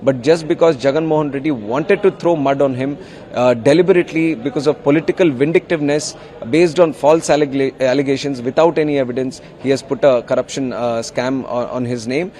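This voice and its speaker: A man's voice: mid-range voice, a little fast, dark tone. A man with an Indian accent making a political statement to the media as an opposition politician.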